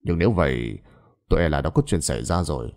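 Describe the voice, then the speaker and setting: A man voicing an old exorcist who speaks low and gravely. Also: expressive, fast, a little mellow, exaggerated voice.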